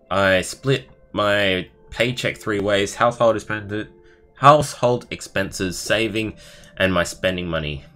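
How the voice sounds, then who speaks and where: A man's voice: sits low, pushed and bright. A man livestreaming, reading aloud expressively with casual asides and commentary of his own. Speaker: streamer.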